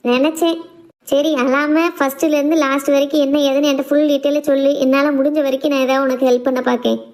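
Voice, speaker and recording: A young woman playing a caring, take-charge friend in a family drama, speaking briskly and reassuringly. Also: sits high, little pitch movement, a little mellow, natural voice. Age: young adult.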